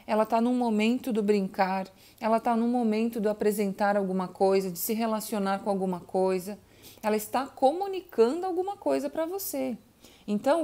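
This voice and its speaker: A woman's voice: mid-range voice, darkish tone. A middle-aged woman teaching parents about children's speech, explaining patiently, calling out to her listeners and sounding out baby syllables. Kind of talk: educational talk to parents.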